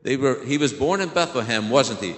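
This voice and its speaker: A man's voice: mid-range voice, animated, a little fast. A man with an American accent, a priest giving a simple homily addressed to children in church. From southern Illinois, United States. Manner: simple questions to children, repeats their answers. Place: large indoor church. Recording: echoey church hall, long reverb.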